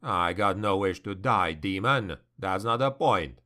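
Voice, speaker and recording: A man's voice: deep voice, expressive, unhurried, bright, forceful tone, pitched below the performer's own voice, exaggerated voice. A man doing a grim, growling noble warrior. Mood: defiant. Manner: growling, cold, defiant. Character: grim, ambitious noble male warrior, exhausted.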